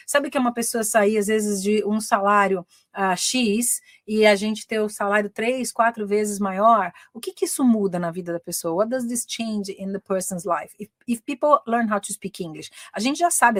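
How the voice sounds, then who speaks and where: Streaming a bilingual lesson live from her home in England, this English teacher and communication coach repeats each point in both Portuguese and English as she switches between them. Her voice sits in the mid range, and the sound is clean studio audio without echo.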